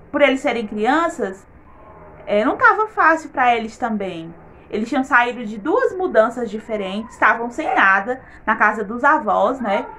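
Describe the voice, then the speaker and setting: High bright woman. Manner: earnest, repeats words for emphasis. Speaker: vlogger giving a testimony. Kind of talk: emotional faith testimony.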